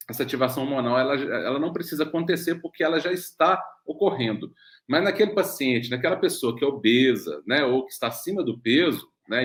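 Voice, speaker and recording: A man's voice: mid-range voice, roomy sound. A man with a Brazilian Portuguese accent, a doctor giving a mentoring lecture, explaining patiently and often checking in with "né?" and rhetorical questions. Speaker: doctor leading a weight-loss mentoring program.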